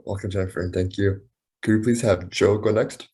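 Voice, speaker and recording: A man's voice: low-pitched, fairly even intonation, brisk, mellow. A man moderating an online meeting, politely calling on each speaker in turn over a video call. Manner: polite, formal requests. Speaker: webinar moderator.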